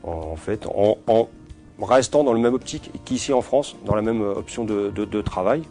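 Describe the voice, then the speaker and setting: Faint music plays behind this man, a security business owner from Portugal in his forties, as he fumbles through interview answers full of fillers and false starts. He speaks at a moderate pace in a mellow, lowish voice.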